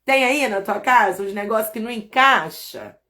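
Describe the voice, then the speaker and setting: A woman's voice: a little high, animated, moderate pace, bright, forceful tone. Brazilian lady pastor, middle aged, chatty and playful, keeps asking the crowd stuff. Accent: Brazilian Portuguese. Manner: chatty, asks the audience questions, playful. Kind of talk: informal live church talk to women.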